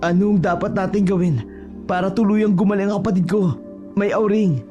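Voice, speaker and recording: Brief: a man as a troubled young brother, slightly high, mellow voice, faint music under. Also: steady tone, normal speed, dull audio, natural voice. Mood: worried. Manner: respectful, hesitant.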